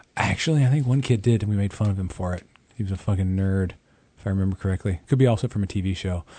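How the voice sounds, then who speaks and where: Somewhat breathy and dark, mellow in tone, a man talks very fast at a fairly low pitch with ordinary pitch variation against a quiet background. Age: 40s. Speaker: podcast co-host. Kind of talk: casual chat. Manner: animated.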